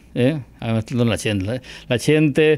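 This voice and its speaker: A man speaks at a very slow pace. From Valencia region, Alzira; Valencia region. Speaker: retired company director; interviewee. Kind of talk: interview. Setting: at his home. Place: home room. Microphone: handheld.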